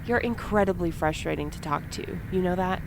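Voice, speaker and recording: A woman's voice: fairly low pitch, fairly quick, creaky, noisy background. An actress playing a guarded, exasperated and sarcastic woman in an audio drama, speaking bluntly. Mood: wary, irritated. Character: exasperated, guarded, sharp-tongued woman facing her double. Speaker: fiction podcast actor.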